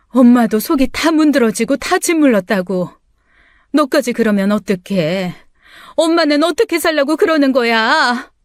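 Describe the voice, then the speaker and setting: Story-radio figure: middle-aged mother, tearful and pleading, raised high voice, played by a woman narrator. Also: no room sound, studio quality.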